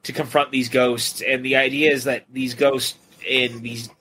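A man's voice: medium pitch, little pitch movement, measured pace, sharp tone, slight background noise. A man co-hosting a podcast, casually and enthusiastically talking through scenes of a film. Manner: enthusiastic, recounts scenes with quoted lines. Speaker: podcast co-host.

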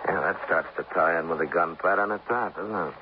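An actor playing a blunt police lieutenant who speaks brusque and plain in 1950s radio acting. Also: male voice, low-pitched, fairly quick, close to an everyday voice. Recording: tinny, lightly hissy old radio broadcast.

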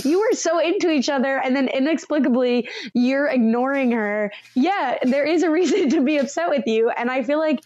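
A woman co-hosting a reality TV recap podcast in casual chat, laughing often and retelling scenes with animated quotes. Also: sits high, normal speed, hardly any pauses, dry recording, muffled recording. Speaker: podcast co-host.

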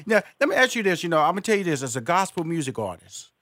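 Male radio host, slightly higher voice, eager, stumbles into his questions; dry close mic. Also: sing-song, rapid-fire, fairly bright tone, no room sound. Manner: enthusiastic, repeats words when starting thoughts. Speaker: interview host. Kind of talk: radio interview.

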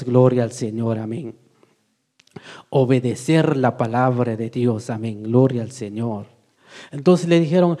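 Fervent preacher, loud then hushed. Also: male voice, mid-range voice, slightly rough. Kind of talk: evangelical sermon.

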